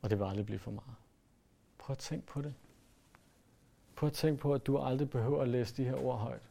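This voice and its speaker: Gravelly, dark-voiced male preacher. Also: medium pitch. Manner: earnest, rises to emphatic then drops to soft. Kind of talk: sermon.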